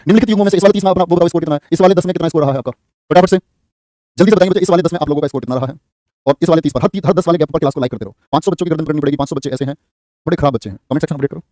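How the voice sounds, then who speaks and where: A man teaching a Hindi exam-prep class online, drilling questions briskly and teasing his students. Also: on the high side, mellow, dry recording, studio quality.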